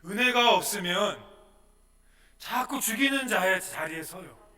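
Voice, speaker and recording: A male pastor preaching a sermon, asking questions and moving between soft and loud. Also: high voice, animated, unhurried, recorded from a distance. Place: church sanctuary.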